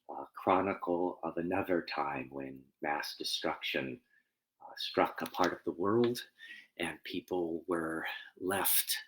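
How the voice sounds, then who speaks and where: A man who is a minister, speaking in a reflective, halting way as he introduces and reads poetry. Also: low-pitched, fairly bright tone, rough recording. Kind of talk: informal spoken introduction and poetry reading.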